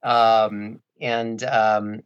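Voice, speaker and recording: A man's voice: on the low side, little pitch movement, very slow, clear, resonant tone, muffled recording. A middle-aged man talking conversationally and a little wryly as an interview guest. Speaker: interview guest, audiobook narrator.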